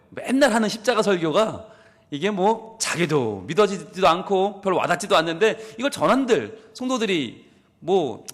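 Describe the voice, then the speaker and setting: A man with a Busan Gyeongsang accent preaching a sermon as pastor of a church, telling a story and acting out its people. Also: a little high. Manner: animated storytelling, acts out the people in his story. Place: church sanctuary. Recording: long church hall reverb.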